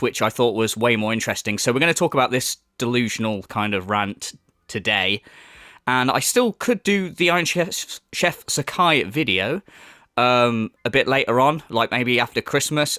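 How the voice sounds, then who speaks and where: A commentary channel host runs his vlog in a sarcastic, mocking style, swearing and using lots of fillers. His medium-pitched, fairly bright voice sounds slightly off because of a cold. The studio sound is clean, with no echo.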